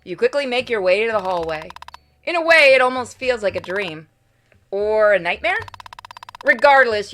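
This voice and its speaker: A woman's voice: mid-range voice, pushed and bright. A woman doing a casual let's play, reading game narration aloud and commenting expressively. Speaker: game streamer reading visual novel aloud. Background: game music.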